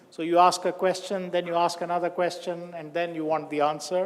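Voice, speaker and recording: A man with an American accent speaks at a high pitch. His intonation is monotone and flat. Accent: Indian, shifts toward American. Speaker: professor. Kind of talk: lecture. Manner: halting, many fillers.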